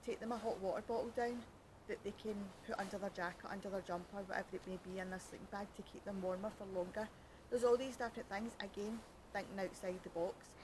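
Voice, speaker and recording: A woman's voice: mid-range voice, fairly even intonation, quick pace, noisy background. Chatty Glaswegian woman outdoors. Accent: Glaswegian Scottish. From Scotland. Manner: chatty, joking, self-mocking, rambling. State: cold, fingers freezing. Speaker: podcast host. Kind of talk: casual chat. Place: outdoors by a canal at night.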